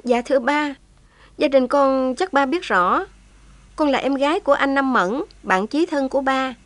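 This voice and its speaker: A woman's voice: high voice, normal speed, no room sound, pitched above the performer's own voice, close to an everyday voice. A woman voicing a young heroine who is daring and tender, pleading with feeling. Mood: tender, tearful. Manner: impassioned, tearful pleading.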